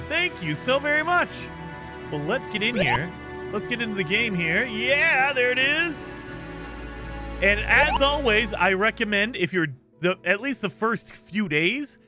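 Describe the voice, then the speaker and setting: A man streaming a game live, upbeat and chatty, thanking viewers by name and explaining the rules, his voice a little scratchy from days of streaming. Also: sits high. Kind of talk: casual live-stream chat and gameplay commentary.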